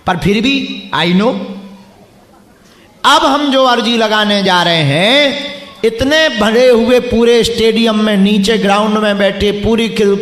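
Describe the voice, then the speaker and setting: A man's voice: high-pitched, a bit bright, roomy sound. A preacher addressing a live crowd in a packed stadium, teasing and bantering with people he calls up. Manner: teasing, bantering with audience members. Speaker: preacher leading a religious gathering.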